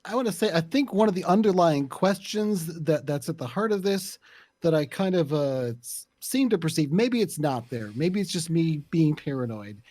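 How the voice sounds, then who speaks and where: A man in a casual panel debate, stating opinions in deliberate, wordy phrases. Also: fairly high pitch, expressive, a little mellow, no room sound. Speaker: panelist on a podcast discussion show.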